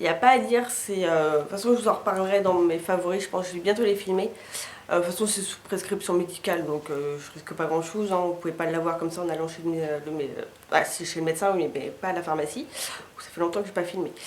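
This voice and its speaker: A woman talks at a very fast pace in a fairly low voice, with ordinary pitch variation and big swings in loudness. Noticeable background noise and audible room echo are present. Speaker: beauty vlogger. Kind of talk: casual vlog chat. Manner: hesitant, many fillers.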